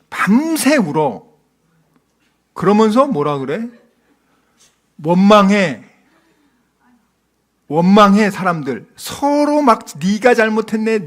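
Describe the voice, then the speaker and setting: Animated high-voiced male preacher. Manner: animated, acts out quoted voices, loud outbursts. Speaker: pastor. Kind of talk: early-morning sermon.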